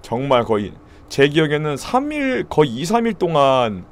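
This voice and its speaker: Hoarse chatty male streamer. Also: a little high, wildly swooping pitch, moderate pace, slight background noise. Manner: chatty, reads out subscriber thanks. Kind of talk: casual live-stream chat.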